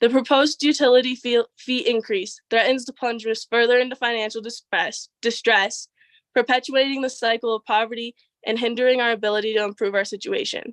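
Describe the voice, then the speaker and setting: A woman talks with a high pitch and a fairly quick pace. The sound is dry and close with no echo, over a quiet background. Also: fairly even intonation. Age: 20s. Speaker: member of the public giving comment. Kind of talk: prepared public comment statement. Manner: reading from prepared text.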